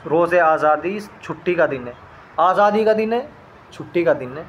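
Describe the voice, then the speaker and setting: A man's voice: on the high side, lively intonation, moderate pace, lo-fi sound, slight background noise. A man teaching a language lesson, saying each phrase, repeating it, and translating it word by word in a patient, methodical way.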